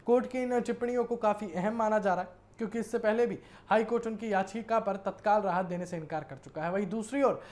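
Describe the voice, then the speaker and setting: A woman's voice: mid-range voice, quick pace, few pauses, a little mellow. A woman with an Indian accent presenting a news report as a narrated piece.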